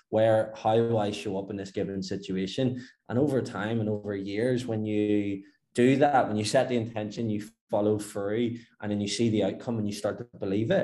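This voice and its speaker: In a Northern Irish accent, a man speaks at a moderate pace with a dark, mellow tone, a fairly low pitch and fairly even intonation. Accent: Northern Irish (Belfast). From Belfast, Northern Ireland. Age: 20s. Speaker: fitness coach. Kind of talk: interview conversation.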